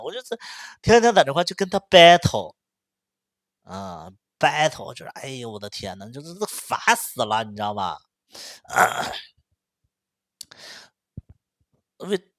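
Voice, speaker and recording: A man hosting a livestream in casual chat, venting, stammering, repeating words and clearing his throat often. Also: fairly low pitch, a bit bright, no room sound, clean studio sound. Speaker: livestream host.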